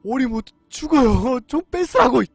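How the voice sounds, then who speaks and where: A man's voice: extremely high pitch, expressive, normal speed, creaky, darkish tone, husky, no room sound, soft background music, voice pushed up, full character voice. A man voicing a panicked young male soldier in a horror radio story, cursing and screaming in terror. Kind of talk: horror radio drama reading.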